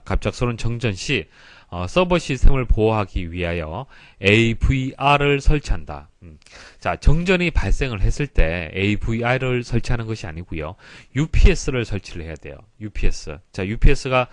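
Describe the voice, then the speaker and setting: A man's voice: medium pitch, dry recording. A man giving an explanatory exam prep lecture in a didactic way, stressing key terms and explaining politely. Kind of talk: explanatory lecture, reading and solving exam questions.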